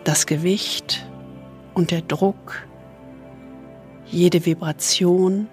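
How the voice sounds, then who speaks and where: Slow, soothing woman guiding meditation over music. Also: lowish voice, fairly even intonation, darkish tone. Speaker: host guiding a relaxation exercise. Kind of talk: guided body-scan meditation, soothing spa-like delivery.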